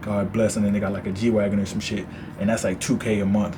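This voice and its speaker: Through noticeable background noise and audible room echo, a man talks with a fairly low pitch. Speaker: fitness coach. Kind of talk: casual vlog monologue. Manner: fast; animated.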